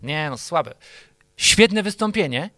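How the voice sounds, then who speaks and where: A man's voice: a little high, lively intonation, takes it slowly, bright, forceful tone, no room sound, studio quality. A man co-hosting a casual chat, explaining things step by step in a playful way. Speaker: podcast co-host.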